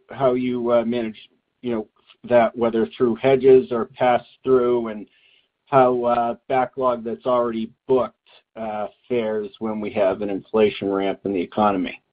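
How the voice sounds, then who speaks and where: A man working as a financial analyst, asking questions haltingly over a tinny phone line. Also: medium pitch. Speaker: financial analyst on an earnings call. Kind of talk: asking questions on a conference call.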